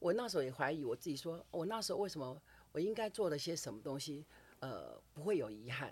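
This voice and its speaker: A woman talks at a very fast pace. Her very deep, low voice makes very wide pitch swings. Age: 60s. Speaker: factory owner and club president. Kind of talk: interview testimony.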